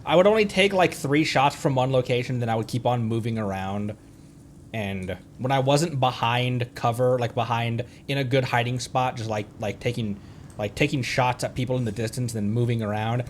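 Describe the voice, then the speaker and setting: A man streaming a game, chatting casually in a giggly, rambling, animated way. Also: mid-range voice, moderate pace, a little hiss or hum. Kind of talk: casual chat while playing a game.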